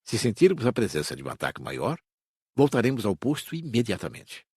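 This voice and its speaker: Audiobook role: reassuring male expedition leader, played by a man, husky, dry sound, animated delivery. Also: lowish voice, a little fast, no room sound, full character voice. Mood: firm, reassuring. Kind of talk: scripted audiobook character dialogue.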